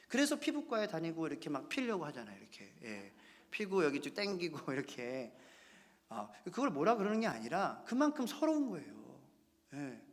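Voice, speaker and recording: A man in his thirties, a pastor, preaching a Sunday sermon and acting out little quotes. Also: a little high. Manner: animated preaching with acted-out quotes. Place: church sanctuary. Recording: long church hall reverb.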